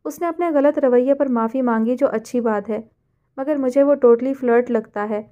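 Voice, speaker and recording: A woman voicing a calm, gentle man who is a doctor, giving advice in a storybook reading. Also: sits high, phone-quality sound, natural voice. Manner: gentle, advising.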